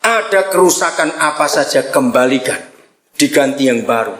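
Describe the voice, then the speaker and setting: An older man preaching a sermon to a congregation in a lively, joking way, often checking in with his listeners. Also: mid-range voice, normal speed, echoey room. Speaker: pastor. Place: church before a congregation.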